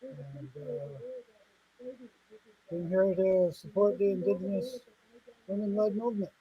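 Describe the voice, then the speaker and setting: A man's voice: high voice, slow, lo-fi sound. A man from New York State introducing himself casually as a camp supporter. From New York State, United States.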